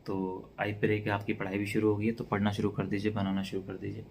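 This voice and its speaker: A man teaching a relaxed exam-prep lecture, mixing Hindi with English and speaking calmly and softly. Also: lowish voice, brisk, gravelly, slight background noise. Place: indoors at night.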